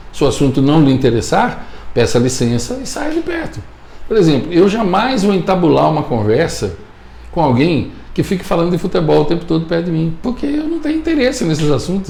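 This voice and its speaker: A man's voice: a little high, vocal fry, a little mellow, roomy sound. A man with a Brazilian Portuguese accent giving an emphatic motivational talk as a communication coach, repeating his key points and often checking that listeners follow.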